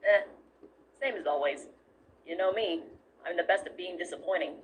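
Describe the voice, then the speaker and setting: A woman's voice: lowish voice, normal speed, close to an everyday voice. A woman voicing a laid-back, self-deprecating skeleton older brother in a fan comic dub, over noisy playback. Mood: resigned.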